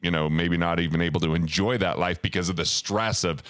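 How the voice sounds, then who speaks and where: Man, very deep voice, dry studio sound, reflective host, chimes in to finish thoughts. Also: steady tone, brisk, a bit bright, smooth, no room sound. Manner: reflective, finishes the guest's sentences. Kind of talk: conversational interview.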